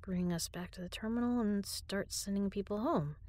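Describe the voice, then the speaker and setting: A young woman performing an intimate audio drama as a frightened prisoner, speaking softly and often in a whisper. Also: mid-range voice, moderate pace, no echo. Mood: tender. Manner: soft, breathy, often whispered.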